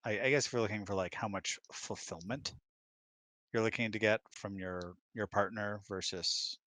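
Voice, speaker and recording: A man's voice: fairly low pitch, fairly even intonation, normal speed, bright, forceful tone, no echo. A middle-aged man in a casual relationship chat, speaking informally and often acting out imagined quotes. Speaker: guest on spouse's hangout.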